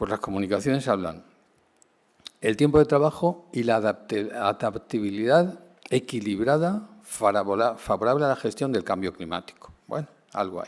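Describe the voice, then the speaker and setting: Lively intonation marks this man's speech, delivered with a Valencian accent. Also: medium pitch for a man, moderate pace. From Valencia region, Spain. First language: Valencian (speaking Spanish). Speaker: law professor and supreme court judge. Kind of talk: conference talk. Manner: conversational, with frequent fillers.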